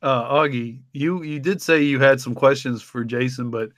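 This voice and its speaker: A man's voice: mid-range voice, steady tone, moderate pace, a bit bright, dry recording, clean studio sound. A man hosting a casual podcast conversation and chatting with his co-hosts.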